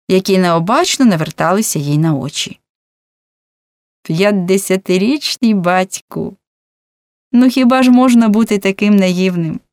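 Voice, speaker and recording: A woman reads a novel aloud in a fairly low voice. She narrates expressively, lifting her pitch on key words. The recording is dry and close, with no room sound. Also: dry recording. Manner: expressive reading with rising emphasis. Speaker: audiobook narrator.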